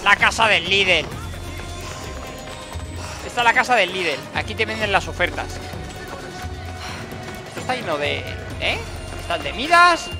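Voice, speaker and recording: An excitable man with a Spain Spanish accent chats his way through a game, joking and calling out to the characters on screen. His voice sits high. Game music plays clearly behind him. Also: normal speed, pauses often. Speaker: gaming channel host. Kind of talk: gameplay commentary.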